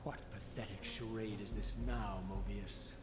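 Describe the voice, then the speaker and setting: A man's voice: fairly low pitch, steady tone, measured pace, heavy background noise, natural voice. A man playing an embittered, proud undead wraith in a scripted video game, speaking with sardonic, eloquent, theatrical disdain. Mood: scornful. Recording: echoing room under loud music.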